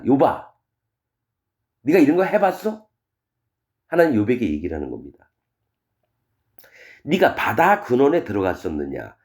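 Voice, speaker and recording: A male pastor preaching a sermon, reading verses and retelling them in plain, casual speech, full of rhetorical questions. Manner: animated, wide swings in pitch and loudness. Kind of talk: expository sermon reading scripture.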